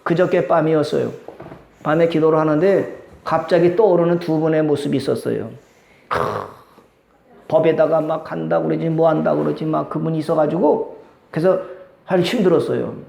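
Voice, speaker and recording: A high-pitched man preaches from the pulpit in a lively, conversational way. He keeps turning to the congregation with questions. The sound is roomy, with the echo of a church hall. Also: brisk, creaky. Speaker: pastor. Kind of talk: sermon. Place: church sanctuary.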